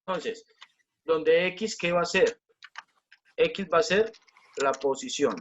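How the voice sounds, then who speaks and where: A man's voice: on the high side, takes it slowly, fairly bright tone. Patient man teaching physics over lo-fi audio. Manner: explains step by step, repeats key points and asks the class questions. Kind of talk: online class lecture.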